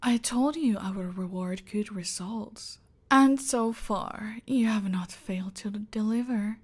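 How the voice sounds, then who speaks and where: A woman voicing a cold, domineering female cartel boss in an ASMR roleplay, speaking in a slow, deliberate, menacing whisper. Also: mid-range voice, husky. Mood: silkily menacing. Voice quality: soft, close whisper.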